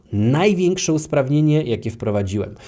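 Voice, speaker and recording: This man has a dark, mellow tone and lively intonation. He talks at a moderate pace. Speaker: YouTuber and entrepreneur. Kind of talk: desk setup video presentation. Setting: home office desk.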